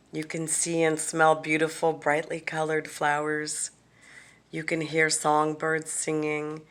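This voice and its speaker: Speaking very slowly in a slightly low voice, a woman narrates a soothing guided visualization meditation. She is gentle and deliberate, with long pauses between phrases, some softly breathed.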